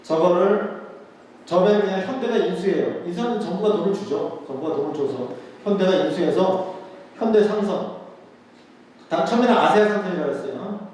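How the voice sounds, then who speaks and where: Male lecturer, higher pitch, chatty style that repeats key points, recorded from afar in a reverberant hall with faint noise. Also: fairly quick, a little mellow. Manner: conversational, asks rhetorical questions and repeats key words. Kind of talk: history lecture to an audience. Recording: echoey hall, voice picked up from a distance.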